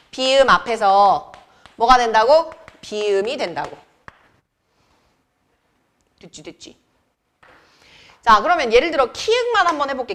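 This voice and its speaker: Woman teacher, young adult, lively pitch, chatty classroom lecture, quizzing questions. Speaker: Korean grammar teacher.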